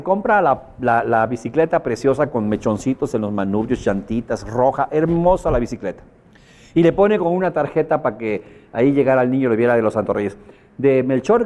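A man with a Mexican accent gives a motivational talk, telling anecdotes and asking the audience questions. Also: mid-range voice. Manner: animated storyteller, asks the audience questions. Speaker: motivational speaker.

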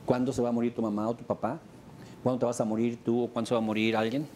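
A Mexican man with a mid-range voice addresses a live audience as a therapist. His delivery is animated and theatrical, with sudden high leaps in pitch as he acts out everyday examples. A faint hum sits under his voice. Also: fast talker. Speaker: therapist giving a talk.

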